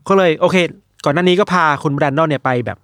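Brief: young male host, quick storyteller, slightly high voice, dry close sound. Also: dry recording. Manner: animated retelling, acts out quoted voices. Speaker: podcast host telling news stories. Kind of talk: casual storytelling chat.

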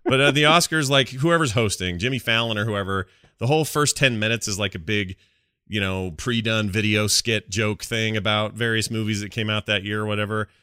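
A man's voice: fairly low pitch, fairly quick, bright, forceful tone, clean tone, no echo, clean studio sound. An American man chatting casually as co-host of a gaming podcast. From United States.

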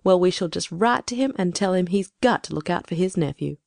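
A woman voicing a stern, sharp-tongued older farm wife who scolds in a grim, clipped way. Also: lowish voice, lively intonation, a little fast, vocal fry, no room sound, studio quality, pitched below the performer's own voice.

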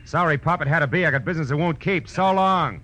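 An American actor playing a tough, wisecracking private detective who also narrates, in clipped, slangy 1940s radio style. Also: male voice, fairly high pitch, fast, very noisy, lightly acted. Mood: sardonic. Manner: hard-boiled, clipped, slangy. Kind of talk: 1940s hard-boiled radio detective acting. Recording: muffled old radio recording, background music.

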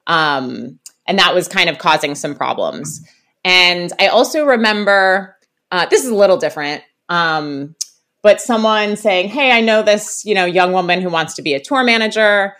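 A woman's voice: fairly low pitch, normal speed, a bit bright. A woman hosting a podcast interview, talking casually with lots of fillers and restarts. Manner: chatty, many fillers and restarts. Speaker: podcast host.

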